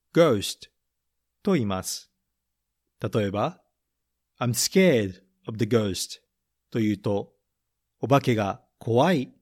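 Slow, careful bilingual male teacher. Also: mid-range voice, a little mellow. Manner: slow, careful delivery, repeating each point in English then Japanese. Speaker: storybook reader and English teacher. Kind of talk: bilingual picture-book reading and vocabulary quiz.

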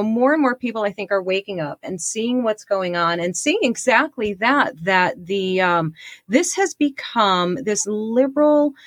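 A woman's voice: medium pitch, fairly bright tone, no echo. A woman hosting an interview show, enthusiastic and rambling, with many fillers and restarts. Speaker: podcast host.

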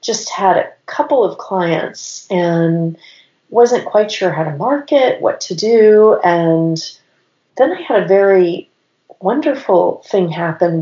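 A woman in her forties chats as a podcast guest, her voice a little raspy from a cold. She runs her sentences together with "and" as she talks, pitched on the low side. The sound is roomy and somewhat muffled. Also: dark tone. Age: 40s. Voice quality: slightly raspy. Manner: rambling, stacks clauses with "and". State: has a cold. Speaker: podcast guest, business owner. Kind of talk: casual interview storytelling.

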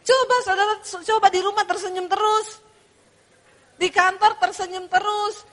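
A woman pastor preaching a sermon in a lively, humorous storytelling manner, calling the congregation to say amen. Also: extremely high pitch, moderate pace.

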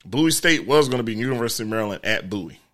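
A man's voice: mid-range voice, expressive, racing, a bit bright. An African American man chatting casually in a colloquial, interjecting way as part of a discussion. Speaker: panel discussion participant. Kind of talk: casual chat.

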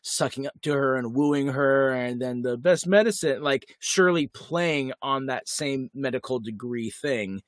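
A man co-hosting a podcast, recapping a TV episode in casual chat, animated and quick with asides. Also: medium pitch, no echo, clean studio sound. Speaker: podcast co-host.

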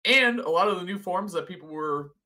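Bright, excitable young podcast host. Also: male voice, high voice, fairly quick. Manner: excitable, laughs often, swears casually. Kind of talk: casual live podcast chat.

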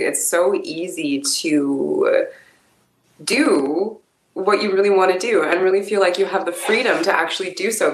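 Woman from Canada, low voice, reflective and expressive, echoey room. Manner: reflective, expressive, laughs often. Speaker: podcast guest. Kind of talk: casual interview talk.

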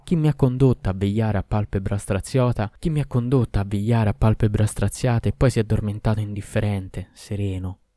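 A man's voice: on the low side, a little fast, hardly any pauses, warm tone, no room sound, clean studio sound, natural voice. A man reading aloud as a grieving, betrayed young wife who answers in plaintive verse. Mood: pleading.

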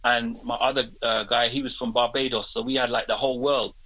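London MC, 50s, easygoing interview chat, bright tone. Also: male voice, mid-range voice, fairly quick, lo-fi sound. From England. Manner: relaxed, says "man" often. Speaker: guest rapper. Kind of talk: casual interview talk.

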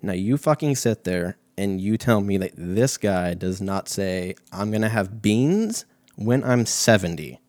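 A man's voice: on the low side, animated, a little slow, a little mellow. A young American man hosting a comedic monologue, telling stories in a rambling, profane, slangy way. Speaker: host of a comedic talk show.

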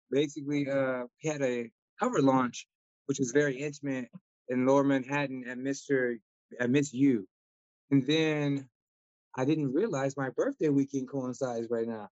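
A man's voice: mid-range voice, steady tone, moderate pace, a little mellow, no echo. A man hosting an interview, chatty and enthusiastic, laughing easily as he asks questions. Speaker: interviewer host. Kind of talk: casual interview chat. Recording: dull lo-fi dry sound.

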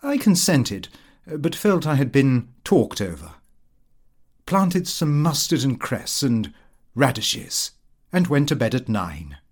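A British man reads a comic diary aloud as an audiobook narrator. His pitch is mid-range but moves about a great deal, giving the prim, precise phrasing a very animated shape. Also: slow pace. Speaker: audiobook reader. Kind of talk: scripted narration of a comic fictional diary, read in character as the diarist.

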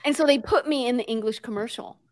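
A woman's voice: fairly high pitch, fast talker, darkish tone. A middle-aged woman whose family is Puerto Rican but who grew up in the US, a guest telling stories expressively, acting out quotes and mixing in Spanish words. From Puerto Rico background, grew up in the US. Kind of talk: animated conversational storytelling.

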